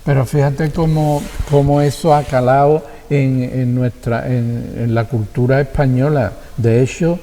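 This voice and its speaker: A man with an Andalusian accent, a guest speaking thoughtfully and haltingly, often repeating words. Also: medium pitch, fairly even intonation, dark tone, in a large hall. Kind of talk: reflective conversation.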